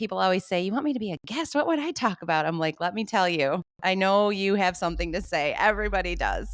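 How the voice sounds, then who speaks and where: A woman talks with a Michigan accent on a very clean recording with a silent background. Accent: US Midwest (Michigan). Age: 40s. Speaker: podcast host. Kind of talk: casual interview chat.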